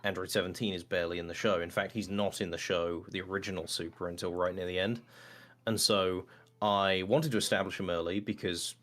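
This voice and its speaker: A man's voice: sits low, steady tone, fairly quick, a bit bright. A man speaking as an interview guest in casual chat, explaining things in a hesitant, rambling way. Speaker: interview guest, voice actor and creator of a parody series.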